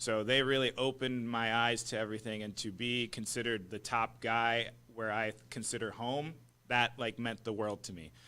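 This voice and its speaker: Bright, sharp tone at a moderate pace, fairly even intonation, in a very clean recording with a silent background. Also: man, medium pitch for a man. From Puerto Rico. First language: Spanish. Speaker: pro wrestler. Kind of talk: casual interview. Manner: many fillers (um, like).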